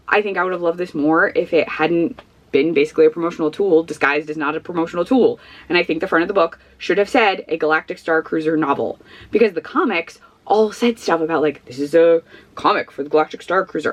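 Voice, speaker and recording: A woman with a somewhat low voice talks casually into a camera at home, giving frank, rambling opinions. She sounds sniffly, and her voice is going. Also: a bit bright. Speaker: vlogger. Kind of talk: casual book review chat.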